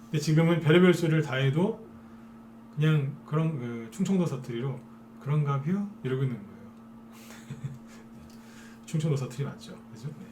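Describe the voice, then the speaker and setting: A man's voice: on the high side, moderate pace, long pauses, a little mellow, a little hiss or hum. A man giving a live stock trading lecture as a broadcaster, persuading viewers and often asking them to agree.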